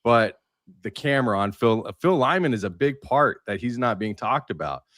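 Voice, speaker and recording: A man's voice: mid-range voice, animated, normal speed, fairly bright tone, no room sound. A man talking casually as a panelist in a livestream roundtable discussion.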